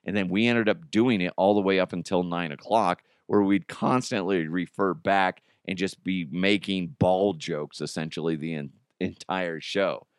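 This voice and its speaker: A man's voice: sits low, fairly even intonation, moderate pace, hardly any pauses, smooth, dry recording, clean studio sound. A man hosting a podcast in casual, rambling talk, his voice a little strained. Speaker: podcast and radio host.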